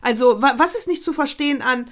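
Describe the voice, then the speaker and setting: A woman's voice: high voice, fast. A woman co-hosting a podcast, giving blunt, opinionated advice in casual chat and swearing freely. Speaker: podcast co-host.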